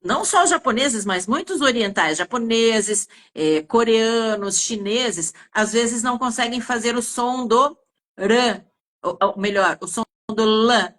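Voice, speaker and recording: A communication teacher from southern Brazil, speaking Portuguese with a southern accent, explains speech errors in a casual two-person chat, offering many examples and hesitating often. Her voice is fairly high, a bit bright, animated, and unhurried.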